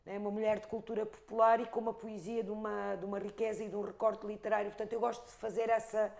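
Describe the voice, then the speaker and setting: A Portuguese woman in her fifties from the Algarve, an expressive storyteller talking about her life and craft, with an Algarve accent. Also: medium pitch, fast talker, vocal fry. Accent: European Portuguese, Algarve. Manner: expressive storyteller, rhythmic lists. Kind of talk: reflective interview talk.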